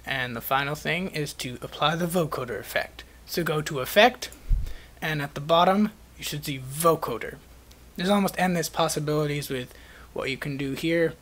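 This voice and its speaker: A man with a slightly higher-pitched voice narrates a software tutorial. He presents it as a step-by-step instructional screencast. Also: moderate pace.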